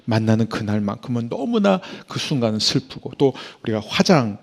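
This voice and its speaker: Middle-aged man, pastor; raspy, gravelly tone, preaches with sudden hushes and loud, emphatic climaxes. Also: medium pitch, sing-song, a little fast. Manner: dramatic, swings from hushed whispers to loud emphatic bursts. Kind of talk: sermon.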